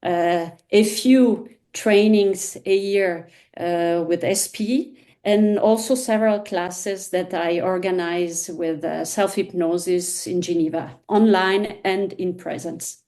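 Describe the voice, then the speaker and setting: Woman, halting speech. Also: on the low side, steady tone, mellow. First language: Italian. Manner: halting, many restarts and fillers. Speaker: hypnosis trainer. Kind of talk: casual interview chat.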